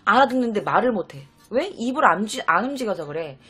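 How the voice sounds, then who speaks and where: A woman tutoring Japanese in a casual vlog, speaking straight to viewers, chatty and lecturing, swinging from soft asides to loud bursts. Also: medium pitch, sing-song, fairly quick, husky, faint music behind. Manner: addresses viewers directly, lecturing. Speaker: Japanese-language tutor on a video channel.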